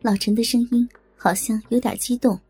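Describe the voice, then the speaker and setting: A woman narrating a first-person audio story smoothly and playfully. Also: a little high, fairly even intonation, fairly quick, warm tone. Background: faint music.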